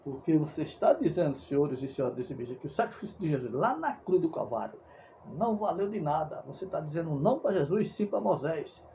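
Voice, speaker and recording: Speaking fast with big pitch swings, a Brazilian evangelical preacher with a fairly high, dark-toned voice pours out a fervent, repetitive sermon. He sometimes trips over his words, has a Brazilian Portuguese accent, and there's slight background noise.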